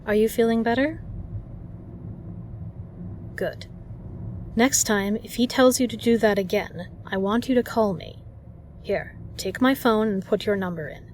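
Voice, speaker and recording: A woman's voice: mid-range voice, a little slow, pauses often, a little mellow, a little hiss or hum, natural voice. A woman playing a kind, protective, flirtatious bar regular in an audio roleplay, speaking earnestly and reassuringly to the listener. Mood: soothing.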